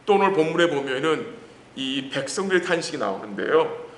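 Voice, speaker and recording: A man preaching a sermon as pastor, posing questions to the congregation and reading scripture slowly. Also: fairly high pitch, lively intonation, fairly bright tone. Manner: asks the congregation rhetorical questions and answers them; reads scripture slowly and deliberately. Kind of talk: sermon at a midweek church service. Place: church sanctuary. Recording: roomy church hall with faint background noise.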